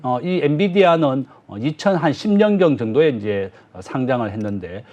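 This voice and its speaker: A man, a business professor, giving measured economic commentary as a guest, with frequent filler pauses. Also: medium pitch, lively intonation, a little mellow, lo-fi sound.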